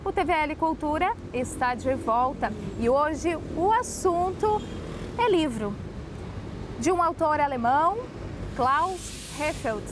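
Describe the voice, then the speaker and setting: A woman's voice: sits high, lively intonation, slow, noisy background. A woman hosting a TV culture program, introducing a guest and asking direct questions. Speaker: TV host. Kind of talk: TV interview hosting.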